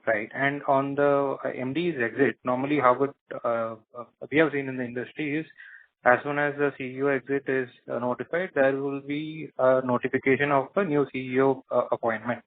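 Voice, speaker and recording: A man asking analyst questions on a business call in a hesitant, halting way. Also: mid-range voice, fairly even intonation. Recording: narrowband, tinny phone line.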